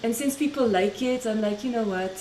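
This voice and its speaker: A woman's voice: a little high, brisk, warm tone, a little hiss or hum. A middle-aged woman with a French accent, a guest chatting on a video call and laughing between phrases. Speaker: interview guest. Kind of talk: casual video-call interview. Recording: echoey room on video call.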